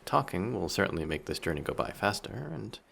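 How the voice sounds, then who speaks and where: A man performs a flirty, vain, handsome sea monster posing as a passenger in a roleplay audio drama, using an exaggerated, fairly low, sing-song voice that is brisk, creaky, slightly rough and fairly bright. His manner is formal, polite, teasing and sure of himself, and he sounds teasing and curious.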